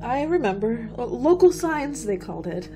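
A woman's voice: fairly high pitch, sing-song, moderate pace. A woman playing an anxious, hesitant college girl in a radio horror drama. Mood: uneasy. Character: frightened, persistently questioning college girl. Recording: music behind the voice.

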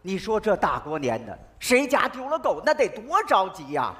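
A woman's voice: mid-range voice, huge pitch swings, normal speed, fairly bright tone, slightly rough. A woman performing in a stage comedy sketch, bold and teasing, calling out in a sing-song way. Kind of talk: northeastern comic sketch. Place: stage before a live audience.

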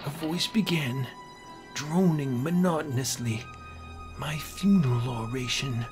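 A man's voice: mid-range voice, unhurried, music in the background. A man giving a brooding, theatrical first-person narration of a horror comic story. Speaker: narrator and amateur voice actor.

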